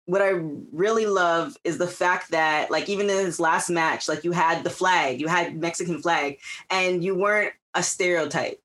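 Chatty low-voiced Canadian woman host. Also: moderate pace, few pauses, a bit bright. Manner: chatty, filler-heavy, appreciative. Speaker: interview host. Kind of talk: casual interview.

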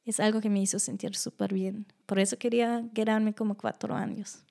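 German woman telling stories, lively. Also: normal speed, vocal fry. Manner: animated, acts out quoted voices with high pitch jumps. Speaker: guest. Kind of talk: casual interview storytelling.

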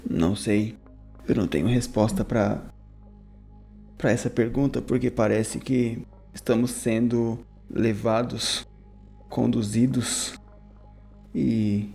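A man playing a grave, cautious priest in an audio drama, speaking in a measured, solemn, halting way. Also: mid-range voice, creaky, dark tone.

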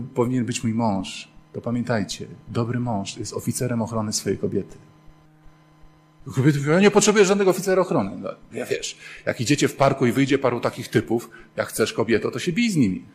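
A man's voice: mid-range voice, darkish tone, a little hiss or hum. A man preaching as a priest, telling humorous stories with animation and acting out the voices of the people in them. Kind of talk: sermon.

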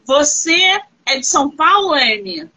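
Her voice is high and a little slow, captured in a low-quality recording. The woman, an author hosting a live-stream interview, sounds animated and reassuring while she asks questions and shares stories.

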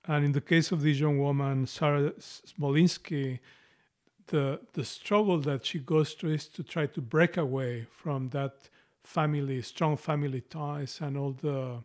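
A man's voice: on the high side, fairly even intonation, measured pace. A middle-aged man with a strong Mexican Spanish accent, co-hosting a casual book talk and often restarting his phrases. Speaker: podcast co-host.

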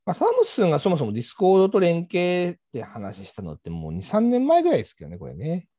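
A man from Kansai with a faded Kansai accent, a marketing teacher co-hosting a casual podcast, easygoing and quick to laugh. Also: on the high side, huge pitch swings, warm tone, no room sound, studio quality. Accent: faded Kansai Japanese. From Kansai, Japan.

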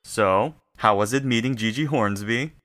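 A man's voice: mid-range voice, normal speed, fairly bright tone, close to an everyday voice. An actor playing a doting, fussy male telegram messenger who acts like a housewife in a radio comedy. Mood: eager, attentive. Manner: solicitous, domestic. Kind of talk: comedic old-time radio acting.

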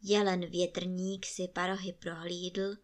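A woman storyteller reading a bedtime fairy tale aloud in a calm, expressive way. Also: lowish voice.

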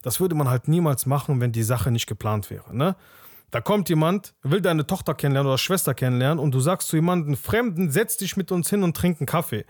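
Animated young man telling a story. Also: a little high, fairly quick, no echo, studio quality. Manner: animated, acts out the other people's lines; drops to hushed asides. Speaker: podcast host. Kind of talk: personal storytelling.

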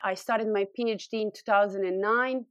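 A Serbian woman with a Serbian accent, founder of a scoliosis clinic and a physiotherapist, explains things as an expert guest in an interview. Her mid-range voice is steady, brisk and a little bright, with no room sound.

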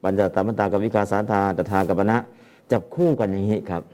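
A man's voice: on the low side, fairly even intonation, quick pace, a little mellow. A man teaching Pali translation to a class and explaining patiently, often repeating his phrases.

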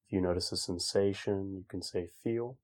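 A man leading a guided meditation in a calm, informal way, speaking gently spaced instructions with long pauses. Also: deep voice. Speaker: meditation teacher. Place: online group session over video call.

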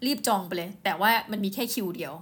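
A woman hosting her own show, telling a personal story in a casual, animated way, with quick asides and exclamations, and often speaking straight to her listeners. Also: medium pitch, husky. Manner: chatty, animated, often addresses listeners directly. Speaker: host.

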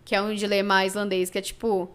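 A woman's voice: medium pitch, little pitch movement, quick pace. A Brazilian woman, a podcast guest, tells a personal story in casual, emotional chat full of fillers. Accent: Brazilian Portuguese.

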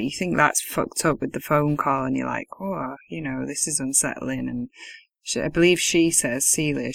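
A woman's voice: low-pitched, vocal fry, no room sound. A woman co-hosting a casual film review chat, laughing often, swearing freely and sounding incredulous. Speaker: podcast co-host.

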